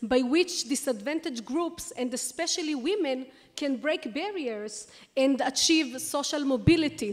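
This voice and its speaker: The speaker has an Israeli accent and lively intonation. The pace is fairly slow, and the background is quiet. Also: woman. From Israel, from a small town in Emek Bet She'an. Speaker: legal scholar giving an award acceptance speech. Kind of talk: formal speech. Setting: stage. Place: hall. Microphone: podium.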